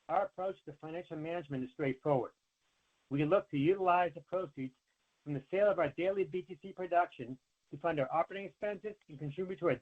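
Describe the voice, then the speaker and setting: A man, a company finance executive, reading prepared earnings remarks in a formal, measured way over a conference call line. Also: on the high side. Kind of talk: scripted earnings call presentation. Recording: narrow, tinny conference phone line.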